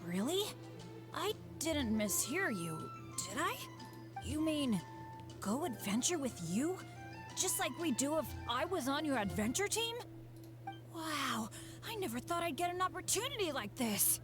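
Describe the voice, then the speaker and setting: An eager teenage boy adventurer from a video game, pitched fairly high. He sounds boyish and earnest, quick to put himself down and a little hesitant. Game music plays clearly behind him. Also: very animated. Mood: flustered delight.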